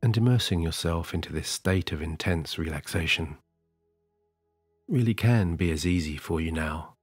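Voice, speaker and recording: A man with a very low, husky voice eases the listener toward sleep in a slow, soothing hypnotic cadence. He is recorded close and dry, with a soft music bed playing quietly beneath him. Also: dry recording.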